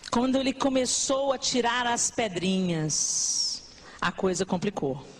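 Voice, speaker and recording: A Brazilian woman preacher delivering a lively sermon to a congregation, with a broadcast church-service feel. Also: fairly high pitch, measured pace. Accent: Brazilian Portuguese. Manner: animated, acts out complaining believers in mock voices.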